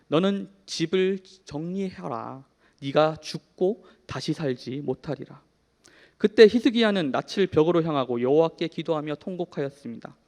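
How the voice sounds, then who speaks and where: His sermon unfolds as an earnest personal story, with his fairly high-pitched voice swinging from soft to emphatic. He's a man in his thirties preaching in a church hall, and the recording carries long hall reverb.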